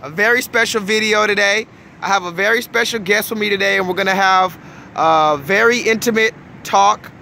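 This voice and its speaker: Guy hosting a chat, high bright voice, keeps repeating the answers back, bit of traffic behind. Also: normal speed, gravelly. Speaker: host. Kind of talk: casual interview.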